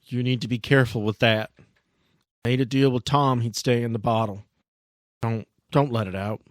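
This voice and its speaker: A wary young witch with a hushed, rough-edged backwoods way of talking, as a game master puts her on. Her voice sits low and quiet, quicker than the narration around it, in a dry room. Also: fairly even intonation, dry recording, natural voice. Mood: warning.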